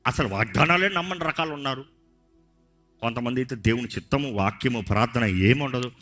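A man's voice: medium pitch, brisk, a bit bright, soft background music. A man preaching a sermon as pastor, passionate and mixing in English phrases.

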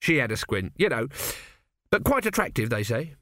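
A man's voice: mid-range voice, big pitch swings, moderate pace, a bit bright, no room sound, studio quality. A man voicing a forgetful old male storyteller who rambles, loses track and corrects himself. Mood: rambling. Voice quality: muddled, meandering, losing the thread.

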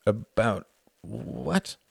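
A man voicing a stern, bewildered father in an audiobook story, halting and stammering or cracking into outraged cries. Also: on the low side, animated, gravelly, darkish tone, slightly rough, pitched above the performer's own voice, heavily acted. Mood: bewildered, faltering. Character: stern, bewildered father, stubbled, jolted from sleep, raging.

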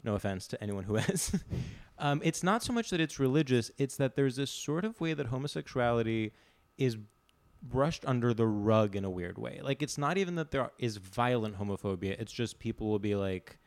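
A man from Greece with an American accent, chatting casually as a comedic podcast guest, animated and digressive, acting out what people say. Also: mid-range voice, moderate pace. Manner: animated, digressive, acts out quoted remarks.

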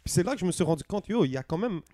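Relaxed man, mellow voice. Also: high voice, racing, no room sound, clean studio sound. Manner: relaxed, mixes French and English slang. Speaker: podcast co-host. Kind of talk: casual interview chat.

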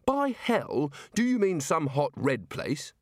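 A nervous, hapless wizard, performed by a male narrator talks defensively and with hesitation. The voice is pitched up and animated, suited to a comic fantasy audiobook's apologetic underdog. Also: slow, no echo, studio quality, heavily acted. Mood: wary.

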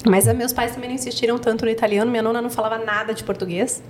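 A Brazilian woman, a project founder, is a guest on a casual podcast, telling stories with spirit and acting out quotes. She speaks fast in a bright, fairly high-pitched voice, with slight background noise.

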